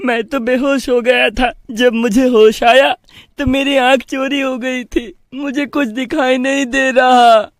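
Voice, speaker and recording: A man's voice: very high voice, steady tone, takes it slowly, dry recording, clean studio sound, full character voice. A man doing a frightened pleading boy. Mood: scared. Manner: pleading, whiny, drawn out.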